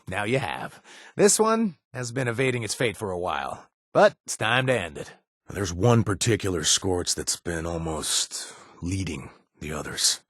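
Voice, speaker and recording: Sarcastic game companion, lively up-and-down pitch, stammering, dry booth recording. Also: male voice, dry recording. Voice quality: animated, sarcastic delivery with hesitant stammers. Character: wry young man, quest-giving companion, sarcastic and jumpy. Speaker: video game companion character. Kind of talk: video game voice lines. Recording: dry studio sound.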